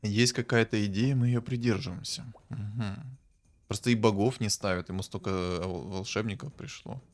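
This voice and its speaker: A man casually commenting on a strategy game as a streamer, thinking aloud and breaking into bursts of excitement. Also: fairly low pitch, normal speed. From Ukraine.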